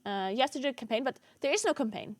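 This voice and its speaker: A woman's voice: sits high, animated, racing, no echo. Chatty woman streamer. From South Tyrol, Italy. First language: German. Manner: chatty, answers chat, frequent "like" fillers. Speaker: game streamer. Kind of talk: casual chat while gaming.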